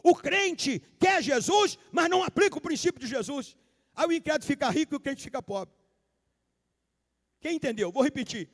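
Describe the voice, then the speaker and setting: A pastor preaching a sermon at a live service, emphatic and repetitive, calling out to the congregation. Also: male voice, very high voice, animated, normal speed. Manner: emphatic preaching, repeats key lines, calls out to the congregation. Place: large church sanctuary, live service. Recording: long hall reverb of a church.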